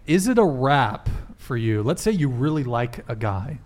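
A man's voice: medium pitch, sing-song, moderate pace, a little mellow. Casual swearing male podcast host. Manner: blunt, laughing, swears casually. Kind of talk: casual panel chat.

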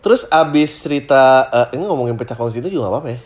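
A man's voice: medium pitch, lively intonation, rapid-fire. A man in his thirties hosting a casual podcast interview, asking loose questions, swearing playfully and humming along. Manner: loose, swears playfully, many backchannel hums. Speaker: podcast host.

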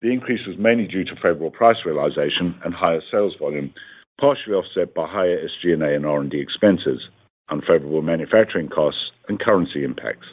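A man with a very low, husky voice delivers a scripted financial report. He reads formally and evenly paced, like a company executive. The sound is narrow and phone-like, as on a conference line. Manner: formal, measured reading of figures. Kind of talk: scripted earnings call presentation.

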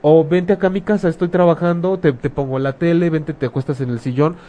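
A man's voice: on the high side, steady tone, brisk, dark tone. Frank Mexican man, casual talk. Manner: colloquial, frank, uses rhetorical questions and slang. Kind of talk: casual talk about grief.

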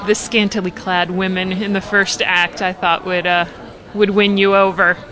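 A woman's voice: mid-range voice, level tone, normal speed, a bit bright. A woman co-hosting a podcast, chatting casually and teasing her co-host. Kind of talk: casual chat.

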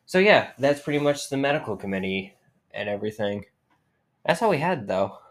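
A woman co-hosting a casual home podcast, reading out statistics haltingly with many fillers and swearing casually, her voice a bit worn. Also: a bass voice, sing-song. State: losing her voice. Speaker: podcast co-host. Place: home, cats moving around.

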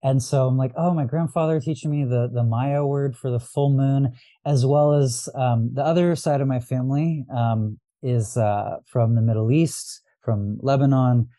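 Man, very warm dark tone, dry close sound, reflective, rambling, casual interview guest. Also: mid-range voice, steady tone, normal speed, dry recording. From Los Angeles. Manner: reflective, rambling, frequent restarts and fillers. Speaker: podcast guest, astrologer and diviner.

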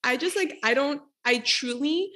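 A woman's voice: high voice, moderate pace, sharp tone. A woman in her late twenties from Costa Rica, a podcast guest chatting casually, rambling and laughing at herself. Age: 20s. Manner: self-deprecating, laughs often, rambling. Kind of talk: casual chat.

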